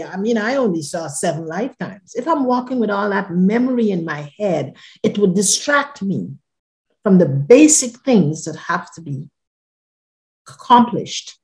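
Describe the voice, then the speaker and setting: An older woman from Guyana, a podcast guest earnestly telling a personal story on a video call from her living room, her phrases often fading softly at the end. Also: medium pitch, poor audio.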